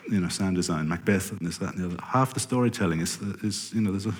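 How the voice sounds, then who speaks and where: In a reverberant lecture hall, a podcast producer talks fast in a low-pitched voice to his conference audience. He rambles, keeps correcting himself, and drops wry asides.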